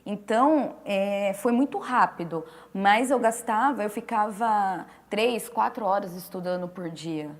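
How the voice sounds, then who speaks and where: A woman interpreter explaining in a relaxed conversational way, restarting phrases and pausing as she talks. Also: mid-range voice. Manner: explanatory, with frequent restarts and fillers. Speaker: sign language interpreter.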